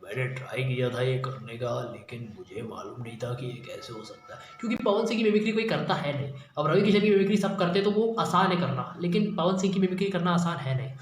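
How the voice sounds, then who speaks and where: A man's voice: mid-range voice, animated, fairly quick, hardly any pauses. A man casually teaching mimicry in a rambling, self-deprecating, apologetic way. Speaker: mimicry tutorial YouTuber. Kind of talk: casual spoken tutorial. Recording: very echoey room, faint noise.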